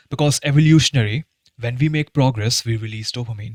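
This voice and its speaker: A somewhat breathy man at a medium pitch, fairly quick and fairly even in intonation, in a dry, close sound with no echo. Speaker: self-improvement youtuber. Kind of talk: motivational talk to camera. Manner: halting, fumbling over words.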